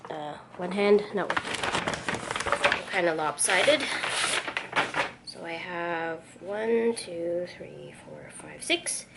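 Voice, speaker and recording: A woman's voice: on the low side, sing-song, very slow, gravelly, pauses often. A young woman with a light Filipino accent, chatting casually in her studio and thinking aloud while she sorts her stock. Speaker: artist vlogger. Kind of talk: casual chat while working. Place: home art studio. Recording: noisy room ambience.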